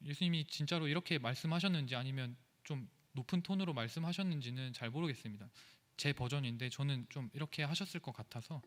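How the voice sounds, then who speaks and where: A man's voice: mid-range voice, quick pace. A man preaching a sermon earnestly, asking rhetorical questions, in an echoey church sanctuary.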